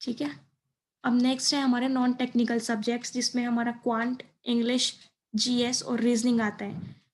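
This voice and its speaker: A woman's voice: a little high, flat delivery, normal speed, low-quality recording. A woman giving an informal exam-preparation explainer, mixing in English terms and often checking in with a short tag phrase. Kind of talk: informal explainer lesson over slides.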